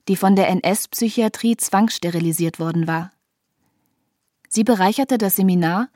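A woman reading scripted documentary narration in an even, informative way. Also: medium pitch, dry recording, studio quality.

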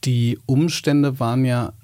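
A man's voice: mid-range voice, fairly even intonation, slow pace, mellow, dry recording. Male interviewer, dry-sounding voice. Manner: engaged, long winding questions. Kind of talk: conversational interview questions.

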